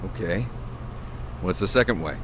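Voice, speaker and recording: An actor playing a weary, gruff sergeant, terse and steady. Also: male voice, moderate pace, background noise, close to an everyday voice. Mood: calming, terse. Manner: terse, low-key.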